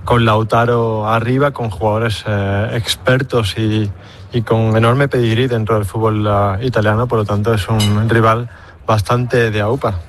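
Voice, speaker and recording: A man giving measured football analysis on a radio sports show, pausing often with fillers. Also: lowish voice, little pitch movement. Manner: measured, frequent hesitations. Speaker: football pundit.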